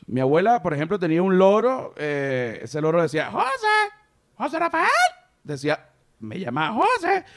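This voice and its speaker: Lively man telling animal anecdotes. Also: a little high. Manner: animated storyteller, mimics animal cries. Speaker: podcast host. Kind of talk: casual monologue with anecdotes.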